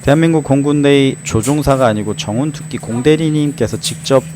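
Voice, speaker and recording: A man's voice: medium pitch, a little fast, noisy background. A man giving a casual explanatory voice-over, playfully dramatizing and posing rhetorical questions as he goes. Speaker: host and narrator, former pilot trainee.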